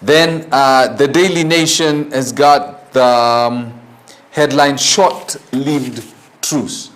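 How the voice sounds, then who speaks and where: A man's voice: mid-range voice, fairly even intonation, fairly bright tone. Kenyan man hosting morning television. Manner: opinionated, halting, rhetorical questions, slips into Swahili. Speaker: morning TV show host. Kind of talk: newspaper review with off-the-cuff opinion.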